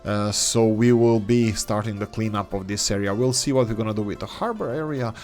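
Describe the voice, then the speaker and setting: A man hosting a gameplay video who thinks aloud as he plays, speaking English as his third language and often pausing with fillers and restarts. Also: lowish voice, darkish tone, faint music behind. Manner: hesitant, many fillers and restarts. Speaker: game let's-play host.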